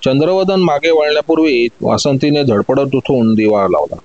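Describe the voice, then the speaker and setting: A man narrating a story in a steady, measured scripted delivery. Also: mid-range voice, dry recording, lo-fi sound.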